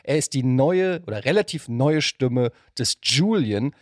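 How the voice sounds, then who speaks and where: A middle-aged man hosting a casual interview podcast, joking and phrasing things haltingly. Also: medium pitch, lively intonation, no room sound, studio quality. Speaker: podcast host. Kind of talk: casual chat, interviewing a guest.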